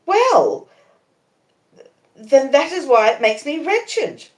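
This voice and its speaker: Woman reading as an earnest, lovesick young gentleman, echoey room. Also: sits high, sing-song, takes it slowly, pitched above the performer's own voice, full character voice. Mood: agitated, wretched. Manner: emphatic, pleading. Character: earnest, wretched young gentleman pleading in love.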